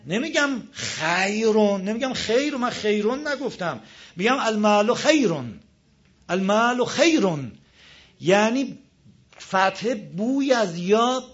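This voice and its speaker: A man teaching a recitation class, patiently repeating each rule and modelling the pronunciations aloud. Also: sits high. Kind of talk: live class lecture on tajweed. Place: classroom with a board. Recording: dull lo-fi classroom recording.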